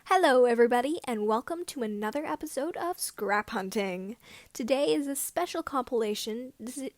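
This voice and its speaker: A woman's voice: high voice, no echo. A woman voicing an eager young farm boy mechanic in a story, gushing and enthusiastic.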